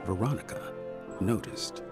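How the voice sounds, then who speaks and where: A man's voice: measured pace, loud music behind the voice, natural voice. A man narrating a scripted audio drama as an arch, dramatic storyteller.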